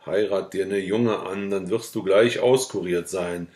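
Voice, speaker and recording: Male narrator voicing an earthy old village woman, blunt and scolding, low voice, audiobook read. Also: fairly even intonation, measured pace, a little mellow, roomy sound. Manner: blunt, scolding, matter-of-fact.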